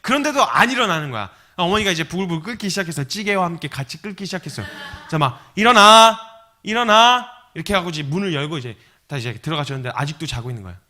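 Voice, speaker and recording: A man's voice: a little high, very fast. A male missionary preaching to young adults, telling stories vividly and acting out scenes with sound effects. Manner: animated storytelling, acts out scenes with sound effects.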